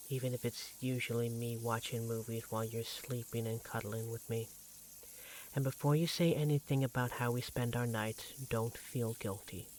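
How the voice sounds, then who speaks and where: A man playing an affectionate, devoted vampire partner in a roleplay audio drama, speaking in a tender, gently teasing, conversational way. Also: medium pitch, natural voice, poor audio. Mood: tender, reassuring. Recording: clearly audible background noise, sizzling kitchen effects.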